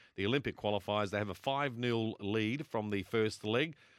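With an Australian accent, a man talks at a fairly quick pace and uses ordinary pitch variation. The recording is very clean, the background silent. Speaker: sports radio host. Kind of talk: sports talk radio. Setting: studio.

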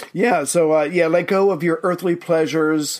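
With fairly even intonation, a man talks at a moderate speed. He uses a plain, everyday voice. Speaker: history podcast co-host. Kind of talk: casual chat.

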